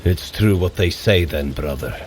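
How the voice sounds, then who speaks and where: An actor playing a hearty, boastful Norse god warrior in an audio drama, booming and declaiming in heroic, archaic phrases. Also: male voice, normal speed, a little mellow, slight background noise, lightly acted. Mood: grave.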